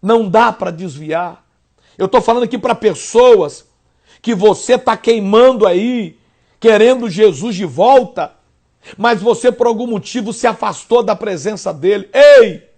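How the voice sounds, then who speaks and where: A man with a Brazilian Portuguese accent preaching a sermon on the radio, repeating phrases in rhythmic runs and swinging from loud peaks to hushed lines. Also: high-pitched, measured pace. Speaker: pastor.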